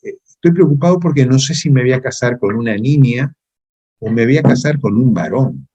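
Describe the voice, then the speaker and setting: A man's voice: medium pitch, animated, normal speed, dark tone, slightly rough, muffled recording. A man quoting a worried eight-year-old boy in an anecdote during a talk. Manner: anxious, hesitant.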